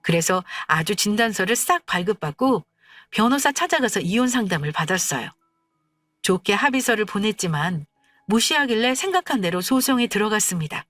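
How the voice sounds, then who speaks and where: A woman's voice: mid-range voice, big pitch swings, fairly quick, fairly bright tone, no echo, faint music behind. A woman narrating her own story in the first person, firm and cold.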